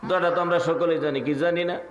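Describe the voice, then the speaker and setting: A man's voice: a little high, fairly even intonation, fast talker, muffled recording, slight background noise. A man preaching a sermon at an open-air gathering. He talks fervently, chants verses in a sung tone and keeps firing questions at the crowd. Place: outdoor gathering under a marquee. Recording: echoey loudspeaker sound with long reverb.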